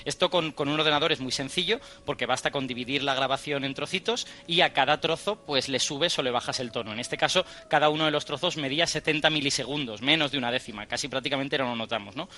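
A man's voice: medium pitch, fast talker, hardly any pauses, bright, forceful tone. A man on a radio show, explaining a study and quizzing the hosts. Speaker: science guest.

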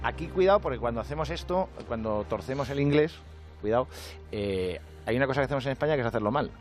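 A man from Spain with a Spanish accent, delivering an animated, jokey comic monologue on a radio show. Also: medium pitch, fast, faint music behind. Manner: animated, jokey, acts out quoted voices. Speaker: comedian with a radio segment. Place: radio studio.

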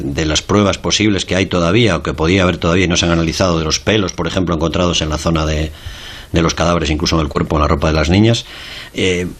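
A man in a radio discussion, explaining a case with frequent fillers. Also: low-pitched.

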